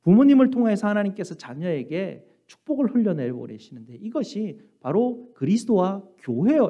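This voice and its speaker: A man's voice: high voice, warm tone, breathy edge. A man preaching a sermon as pastor, earnest and full of rhetorical questions. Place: church sanctuary. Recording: dull lo-fi church recording.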